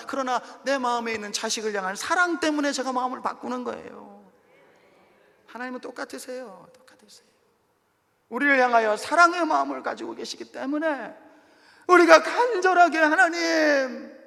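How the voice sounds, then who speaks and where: A middle-aged man preaching a sermon to his congregation in a church, animated and acting out the voices he quotes. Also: extremely high pitch, gravelly. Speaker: pastor. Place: church sanctuary. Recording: long hall reverb of a church.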